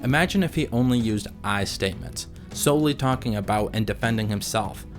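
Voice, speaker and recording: A man narrating a scripted video essay in a measured, analytical way. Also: fairly low pitch, music in the background.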